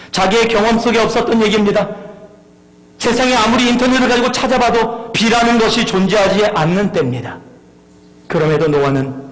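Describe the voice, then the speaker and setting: Male pastor, animated sermon delivery with questions to the congregation; high voice, long hall reverb. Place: church sanctuary.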